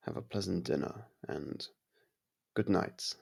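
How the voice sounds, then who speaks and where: A man voicing a courteous, possessive vampire lord in an ASMR roleplay, speaking formally with a gravelly, husky voice and a softly commanding manner. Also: deep voice, measured pace, full character voice. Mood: gently commanding. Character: courteous, possessive vampire manor lord softening toward a human.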